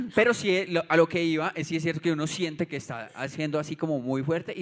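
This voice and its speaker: Against noticeable background noise, a man with a fairly high pitch talks at a very fast pace with ordinary pitch variation. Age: 30s. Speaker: podcast guest. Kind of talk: casual chat.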